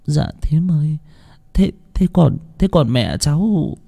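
Timid young daughter-in-law, stammering, high falsetto, played by a man. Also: animated, moderate pace, creaky, dark tone, breathy edge, full character voice. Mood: hesitant, puzzled. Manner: stammering, hesitant questions.

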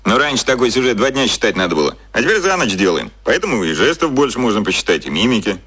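An actor playing a cynical, cocky boss who explains things in an offhand, colloquial way, as in a radio drama. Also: male voice, fairly low pitch, sing-song, fast talker, a bit bright, husky, full character voice. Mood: amused, smug. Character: cynical, cocky male boss explaining secret media machinery.

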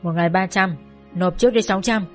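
A woman's voice: mid-range voice, quick pace, soft background music, natural voice. A woman voicing a harsh, bullying male karaoke bar manager. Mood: gruff.

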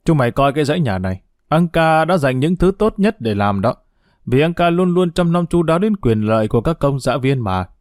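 A cruel camp commander barks and mocks the prisoners, loud and cold, as a male narrator reads him. His voice is dark and mellow, and the sound is dry and close. It is an audiobook story. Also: on the high side, lively intonation, a little fast, no room sound, natural voice. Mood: mocking. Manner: loud, barking.

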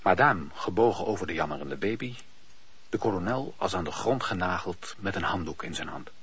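A man playing the storyteller of a radio drama, giving measured literary narration. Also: low-pitched, expressive, a bit bright, slightly rough, exaggerated voice. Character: male storyteller narrating a period novel. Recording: dull old radio recording.

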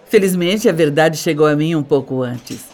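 A woman's voice: deep voice, moderate pace, darkish tone, close to an everyday voice. An actress playing a composed, condescending middle-aged stepmother in a radio soap opera, with a Brazilian accent and a theatrical manner. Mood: condescending, grave.

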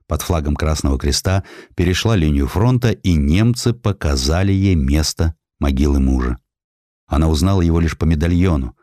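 A man reading a historical narrative as an audiobook narrator, in a measured, deliberate and dramatic way with weighty pauses. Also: rumbling low, a little mellow, no room sound, studio quality.

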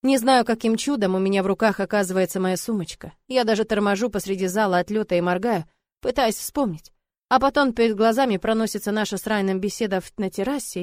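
A woman's voice: medium pitch, darkish tone, no room sound. A woman narrating an audiobook in a tense, emotional first-person reading.

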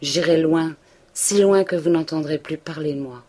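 Lady doing a lovesick young man, pleading, melancholy, low-voiced storybook reading. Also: moderate pace, dark tone. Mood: impassioned. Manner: impassioned, pleading declarations.

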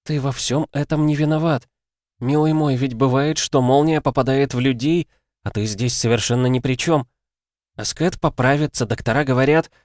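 A man's voice: medium pitch, moderate pace, a little mellow, no room sound, clean studio sound, voice pushed up, lightly acted. A man doing a guarded, determined mother. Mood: soothing.

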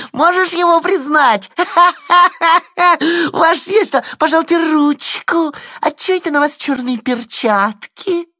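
A woman voicing a shrill, mocking male hanger-on who squeals, jeers and giggles in a sing-song way. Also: fairly bright tone, no echo, exaggerated voice. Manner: taunting, sing-song, cackling. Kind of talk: audio drama acting.

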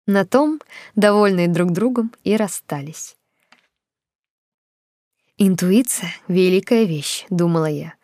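A woman narrating a novel in the first person, with even, expressive storytelling. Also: fairly low pitch, dry recording, clean studio sound. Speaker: audiobook narrator.

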